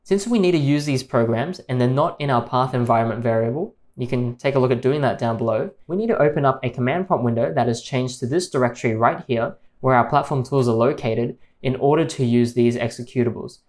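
Man, tech tutorial host, mid-pitched voice, steady step-by-step explaining. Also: brisk, few pauses. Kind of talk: screen-recorded tutorial voice-over.

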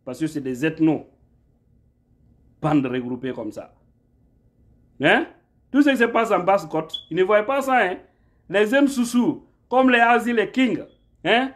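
A man's voice: sits high, animated, a little slow, long pauses. A man, giving an impassioned political monologue to a phone camera at home, emphatic and rhetorical, often asking "hein?". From Guinea. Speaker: political commentator. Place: indoor room at home. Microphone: phone camera held at arm's length.

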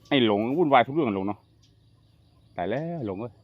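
A man's voice: medium pitch, expressive, quick pace, no room sound. A man narrating a casual fishing vlog outdoors, chatting to viewers as brothers and sisters. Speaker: vlogger. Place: outdoors in rural fields. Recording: muffled lo-fi outdoor audio.

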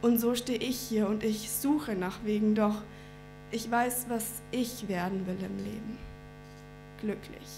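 A woman's voice: medium pitch, steady tone, measured pace, creaky, music in the background. A young woman performing a rhymed slam poem on a small indoor stage at a stand mic, earnest and rhythmic, sometimes sinking to a near-whisper. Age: young adult. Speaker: slam poet. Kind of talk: rhymed spoken-word performance.

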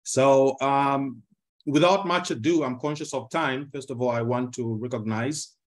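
A man from Zambia in his fifties, a law professor giving a formal, measured presentation on a video call, with frequent fillers. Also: medium pitch. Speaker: guest speaker, law professor. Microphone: computer mic on a video call.

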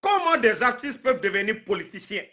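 Guinean guy ranting politics on a live, really high sharp voice, repeats himself, super emphatic. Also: very animated, brisk. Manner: emphatic, repetitive, indignant rhetorical questioning. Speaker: live stream host. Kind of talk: heated political live-stream chat. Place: indoor room, video call.

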